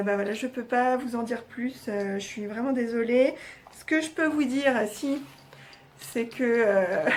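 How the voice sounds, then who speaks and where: A young woman hosting a knitting podcast, chatting hesitantly with many fillers as she shows her projects. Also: a little high. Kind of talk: casual chat showing knitting projects.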